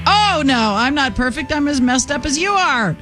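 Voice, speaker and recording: A woman hosting a radio call-in show, with a sweet, gentle voice and teasing, motherly advice. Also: sits high, lively intonation, moderate pace, over music. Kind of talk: late-night radio call-in chat.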